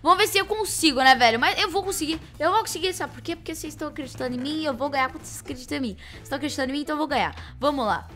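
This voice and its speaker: A woman with a Brazilian Portuguese accent hosting a let's-play, excitable, shrieking and teasing as she plays. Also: high-pitched, racing, few pauses. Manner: excitable, shrieks and shouts at game events, playful teasing. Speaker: gaming channel host. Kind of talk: let's-play game commentary.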